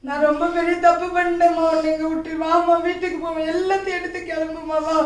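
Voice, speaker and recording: A sorry, pleading son, acted by a woman in a high, flat voice. The voice sits far off in an echoey room. Soft music runs behind. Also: quick pace. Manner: pleading, apologetic. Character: remorseful grown son begging his mother home.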